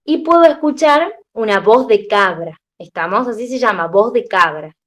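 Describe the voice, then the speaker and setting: A woman's voice: medium pitch, lively intonation, moderate pace, a bit bright. A young adult woman teaching a class, tired, explaining step by step and often checking in with her students. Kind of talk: classroom lecture.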